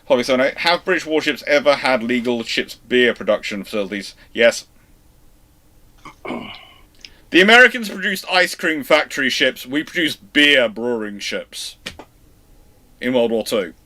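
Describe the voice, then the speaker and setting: A man hosts a live history stream, his voice bright and forward. He talks in an animated way, tossing in quick asides and dry jokes as he answers questions. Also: mid-range voice. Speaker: naval history channel host. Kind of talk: live Q&A chat.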